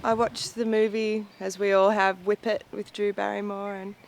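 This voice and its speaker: A woman in her late thirties talks in a flat, gravelly voice. She is relaxed and fills gaps with soft fillers. Background noise hangs behind her. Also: medium pitch, moderate pace. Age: 30s. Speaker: roller derby player interviewee. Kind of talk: casual interview answers. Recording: noisy background.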